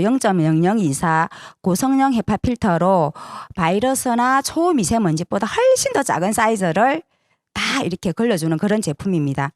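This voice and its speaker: A woman's voice: medium pitch, no room sound, clean studio sound. A woman presenting a sales seminar to an audience, persuasive, often asking for agreement with short tag questions.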